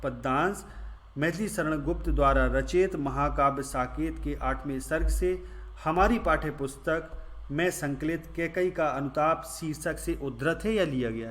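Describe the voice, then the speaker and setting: Male tutor, slightly high voice, patient explainer who repeats points and checks in. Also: moderate pace, fairly bright tone. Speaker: teacher. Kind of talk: exam-prep lesson explaining a Hindi paper.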